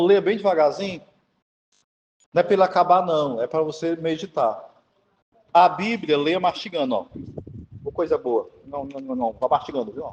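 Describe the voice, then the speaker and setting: A man's voice: on the high side, darkish tone, slight background noise. A man from Northeast Brazil with a Cearense accent, preaching an informal teaching sermon and often asking the listeners whether they understand. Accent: Cearense Portuguese. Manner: chatty, keeps asking the audience if they understand. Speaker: Catholic preacher. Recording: long hall reverb.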